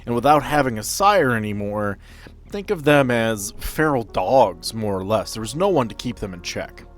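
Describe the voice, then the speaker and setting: A man narrating an improvised tabletop horror game as game master, with theatrical storytelling and dramatic pauses. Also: medium pitch, lively intonation. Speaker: game master, podcast host.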